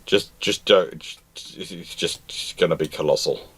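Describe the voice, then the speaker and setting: A man hosting an off-the-cuff history discussion, halting and self-correcting as he argues his points. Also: sits low, a bit bright, slightly rough, poor audio. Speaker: live-stream host answering viewer questions.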